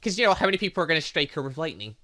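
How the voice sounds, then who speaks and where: A man giving excitable, rambling commentary as he plays through a game, often thinking aloud. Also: a little high, racing. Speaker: gaming channel host.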